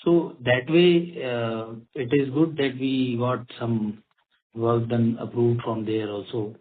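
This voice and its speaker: An Indian-accented man, a company executive, explaining in a halting way as he answers questions on an earnings call. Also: medium pitch, fairly even intonation. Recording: tinny phone line with clicks and noise.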